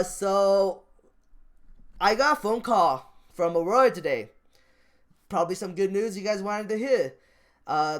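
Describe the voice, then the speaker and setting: A man talking off the cuff like a vlogger about his views, rambling, repeating phrases and restarting his sentences. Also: high-pitched. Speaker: stock market vlogger. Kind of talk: casual off-the-cuff vlog commentary.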